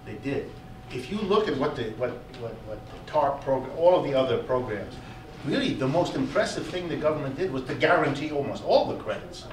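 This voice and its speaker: A man giving an emphatic, animated economics lecture to a room, often repeating words for stress. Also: mid-range voice, brisk, background noise. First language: German. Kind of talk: public lecture. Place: lecture hall. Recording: echoey hall, recorded from far off.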